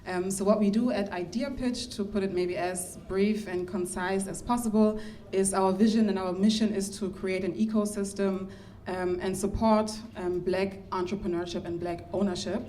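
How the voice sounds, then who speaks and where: A woman with a mellow, dark-toned voice speaks on a live podcast panel, polite and measured. Faint noise from the room runs behind her. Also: mid-range voice, fairly even intonation. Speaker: panel guest, marketer.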